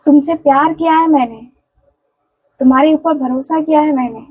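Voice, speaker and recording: A woman who reads tarot and candle wax relays a love message in the first person, in a high voice at a moderate pace that is a little mellow. She sounds earnest and pleading, circling back over the same phrases with casual fillers. The recording is rough.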